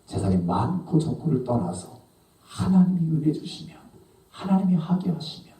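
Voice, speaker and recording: A male pastor preaching a sermon, swinging between loud questions and hushed, low asides. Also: big pitch swings, moderate pace. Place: church sanctuary. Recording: echoey church hall from a distance.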